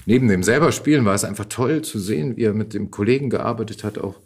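Male, German accent, very low husky voice, conversational interview guest who gropes for phrasing and repeats words. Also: quick pace. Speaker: podcast guest, actor and voice actor.

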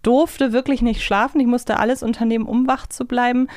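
A woman's voice: a little high, steady tone, brisk, darkish tone, dry recording, studio quality. A woman chatting casually as a podcast co-host.

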